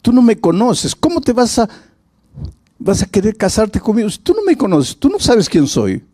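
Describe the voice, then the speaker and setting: Man putting on a high, pleading young woman. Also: very animated, moderate pace, warm tone. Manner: high, pleading, emotional delivery. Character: young churchgoing woman ashamed of her past.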